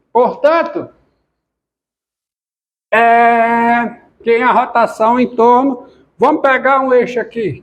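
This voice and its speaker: Lecturer, male, high voice; works through the board aloud, asks the class the same question over and over. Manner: repeats questions to the class, talks while writing. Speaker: math lecturer.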